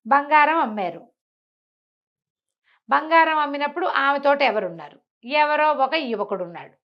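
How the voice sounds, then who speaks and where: Speaking at normal speed in a high voice, a woman with a Telugu accent tells a folk tale with animated, conversational energy. She asks questions and then answers them herself, storyteller-style, on a muffled recording.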